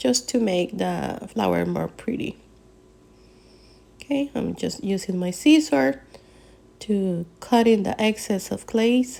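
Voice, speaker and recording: Speaking very slowly with a non-native accent, a woman leaves long, frequent pauses. Her pitch swings very widely. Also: medium pitch for a woman. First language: not English. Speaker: craft youtuber. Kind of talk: tutorial. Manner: casual, halting.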